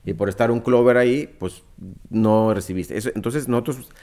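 A man's voice: mid-range voice, normal speed, mellow. A man in his thirties with a northern Mexican accent, a startup founder explaining his business in an interview, using examples and many fillers. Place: office meeting room. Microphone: studio mic on desk stand.

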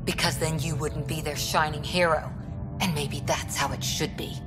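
An actress playing a loyal, self-doubting human lieutenant in a video game, earnest and steady. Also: female voice, deep voice, normal speed, over loud music, close to an everyday voice.

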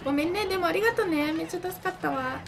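A young woman doing playful, excitable gameplay commentary, talking to herself and breaking into shrieks. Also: very high-pitched, racing. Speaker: gamer commentating a let's play. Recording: noisy game audio under voice.

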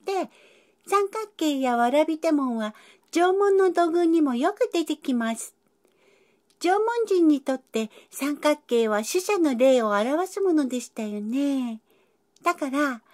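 A woman's voice: sits high, a little mellow. A woman voicing a curious young cat who eagerly asks polite questions. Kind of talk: educational dialogue.

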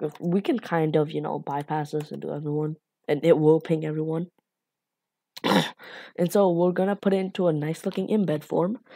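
A woman walks through a coding tutorial in a low, mellow voice, rambling with fillers and apologizing for her slips. Her voice sounds a little raspy from the late hour. The recording is close and dry. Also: dry recording. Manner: rambling, self-deprecating, lots of fillers and apologies. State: a bit raspy from being up late.

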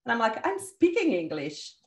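Italian-accented woman facilitating over a video call, lively and encouraging, roomy echo. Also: fairly high pitch, moderate pace. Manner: energetic, encouraging, calls on participants. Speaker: workshop facilitator. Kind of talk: leading a group video call.

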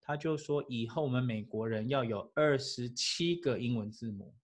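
A man teaching English lectures with energy at a medium pitch and normal speed, filling the lesson with rhetorical questions and chuckles.

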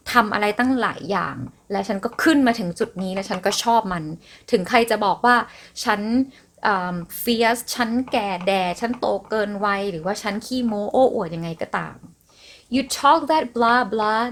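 A woman's voice: fairly high pitch, fairly bright tone. A young adult woman hosting a podcast, chatting casually and playfully as she explains song lyrics line by line. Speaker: podcast host.

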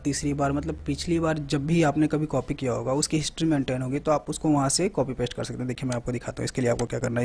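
A man hosting a tech tutorial, talking casually through a software demo and often checking in with the viewer. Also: medium pitch, slightly rough. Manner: conversational, repeats "theek hai" often. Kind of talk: screen-recorded software walkthrough.

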